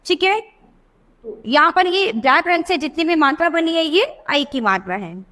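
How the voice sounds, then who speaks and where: A woman teaching young children a reading lesson. She asks questions and answers them herself, and she stretches out words slowly to show the sounds. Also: high-pitched, animated, bright, forceful tone.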